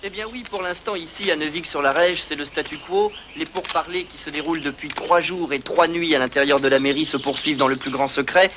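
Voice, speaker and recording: Actor as a bright, forceful news reporter. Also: male voice, on the high side, a little fast, few pauses, a little hiss or hum, natural voice. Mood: grave, earnest. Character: earnest male news reporter at a standoff.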